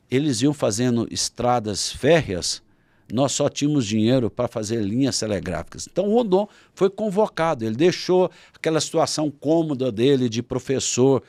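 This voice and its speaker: A man with a Brazilian Portuguese accent, a guest author, telling a historical story in a podcast interview and acting out shouted quotes. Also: mid-range voice, no room sound.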